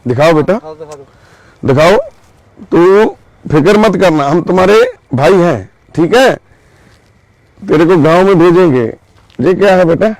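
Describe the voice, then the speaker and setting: A man with a Punjabi accent and a somewhat raised pitch talks in a gentle, coaxing way. He soothes a frightened girl and speaks straight to his viewers. He is recording outdoors at night near a railway crossing. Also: unhurried, long pauses, no echo, clean studio sound. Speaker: volunteer vlogger helping a lost girl. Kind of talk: on-the-spot vlog narration and coaxing.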